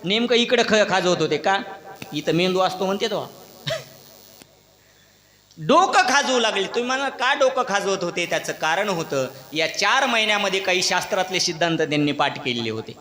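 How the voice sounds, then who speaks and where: A man's voice: sits high, brisk. A man preaching a devotional kirtan sermon, telling a story with acted voices and questions to the audience. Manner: animated storyteller, acts out characters, questions the audience. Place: large echoey hall at a religious gathering. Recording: echoey hall with long reverb.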